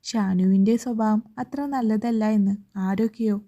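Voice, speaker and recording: A woman narrating a romance story in a steady, even reading manner, on a dull lo-fi recording. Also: mid-range voice, moderate pace.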